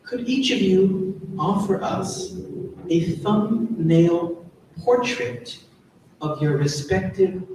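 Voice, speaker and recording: A man moderating a literary panel, asking formal questions in a measured way. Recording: echoey hall, distant mic, rumble.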